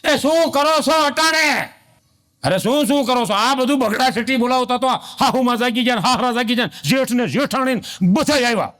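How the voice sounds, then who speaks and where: High-voiced man spinning a village comedy story. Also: brisk, hardly any pauses, a bit bright. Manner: rustic storytelling, acting out family quarrels. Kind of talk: folksy stand-up storytelling.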